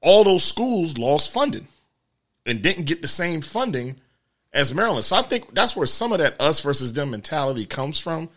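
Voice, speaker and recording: A man with an African American accent and a slightly high voice. His pitch moves around in a lively way as he chats casually and colloquially in a group discussion. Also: moderate pace. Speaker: panel discussion participant. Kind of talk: casual chat.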